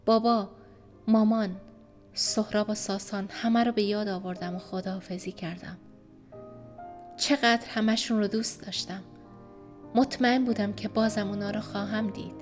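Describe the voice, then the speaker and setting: A woman reading a first-person story aloud in a soft, subdued and reflective manner. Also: medium pitch, steady tone, long pauses, soft background music. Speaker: audiobook narrator.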